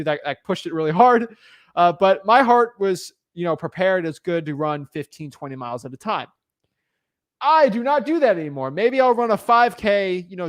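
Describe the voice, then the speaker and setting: A man's voice: high-pitched, no room sound, clean studio sound. A young man coaching on cold calling in a casual, rambling way, restarting and repeating himself often. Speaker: real estate wholesaling coach. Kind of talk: casual teaching monologue. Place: Florida.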